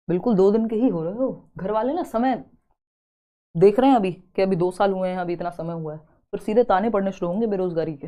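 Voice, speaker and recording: A young woman teaching a live online exam-prep class, chatty and teasing, slowly spelling out word examples. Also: medium pitch, mellow. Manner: chatty, teasing students between explanations.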